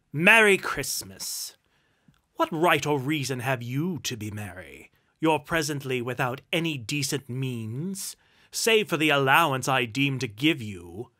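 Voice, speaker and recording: A man's voice: medium pitch, a bit bright. A man voicing a stern, grumpy, miserly Duke from a storybook, pompous and cutting in manner.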